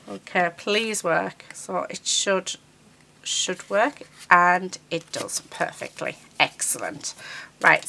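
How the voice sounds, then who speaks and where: Croaky lady doing a craft tutorial at her desk, slow and gravelly, bright tone, bit of faint hiss. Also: medium pitch. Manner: chatty, loses words, frequent ums. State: croaky, recovering from a sore throat. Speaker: craft channel host. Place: craft table indoors.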